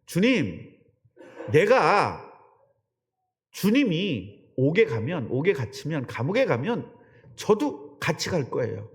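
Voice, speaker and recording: Brief: fervent, pleading male apostle with a lively, rising delivery, put on by a male preacher, in a long hall reverb. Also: fairly high pitch, slow pace, pauses often, full character voice. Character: earnest adult male apostle vowing loyalty.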